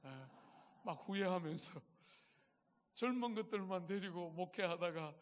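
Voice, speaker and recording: A middle-aged man preaching a sermon as pastor, telling stories with strong feeling and swinging from soft to loud. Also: sits high, a little slow, big-room sound.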